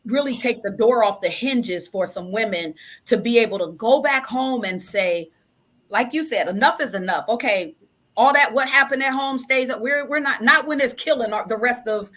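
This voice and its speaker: A woman's voice: on the high side, moderate pace, fairly bright tone. A woman speaking emphatically as a guest in a conversational interview, often repeating phrases for emphasis. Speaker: guest from a stage play production.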